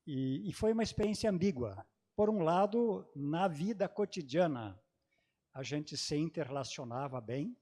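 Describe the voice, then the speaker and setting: Male panelist, native German-dialect speaker, hesitant reminiscing delivery, slightly high voice. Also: dark tone. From Brazil, grew up in Santa Catarina. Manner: halting, many hesitations and restarts. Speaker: panelist at a theology congress. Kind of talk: personal recollection in a panel talk.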